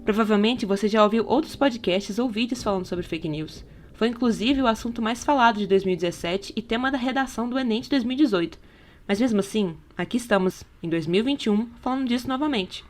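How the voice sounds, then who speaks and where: A woman's voice: a little high, fast talker. A Brazilian woman reading a scripted podcast essay in an explanatory manner, often posing rhetorical questions. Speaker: podcast narrator. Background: background music.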